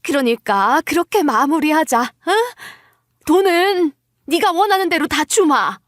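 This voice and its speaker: A woman's voice: high-pitched, animated, measured pace, fairly bright tone, dry recording, clean studio sound, pitched above the performer's own voice. A woman voicing a scheming older mother-in-law in a story, wheedling and condescending. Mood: pleading, pushy.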